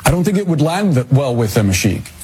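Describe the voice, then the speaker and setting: A man working as a television news anchor, firmly questioning a guest on live TV in a measured, pointed way. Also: medium pitch, sing-song, a little mellow. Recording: TV broadcast clip with faint noise.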